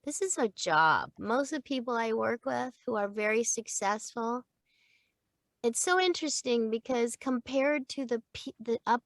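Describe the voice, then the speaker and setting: An older woman talks with a gravelly, slightly high voice, chatty and quick to laugh. She is recorded on a studio mic in a small booth, and the sound is dry and close. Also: no echo. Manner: chatty, animated, laughs often. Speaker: voice actor guest. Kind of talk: casual interview chat. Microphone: studio microphone.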